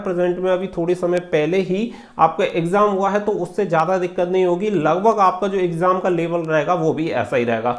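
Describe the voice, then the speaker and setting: A man giving informal exam guidance as a channel host, explaining and repeating points with English terms mixed in. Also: high-pitched. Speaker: exam preparation coach and YouTube channel host.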